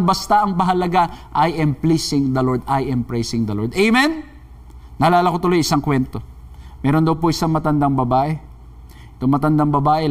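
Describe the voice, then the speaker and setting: A man with a Filipino accent preaching a sermon, earnest and exhorting, repeating his points. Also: a little high. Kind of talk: sermon mixing Tagalog and English.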